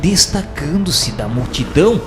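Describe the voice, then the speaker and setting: A man with a slightly high, expressive voice narrates a radio novela from a script at a measured pace, his delivery solemn and theatrical with literary phrasing. Clear background music plays underneath, and the recording carries a long, echoey reverb.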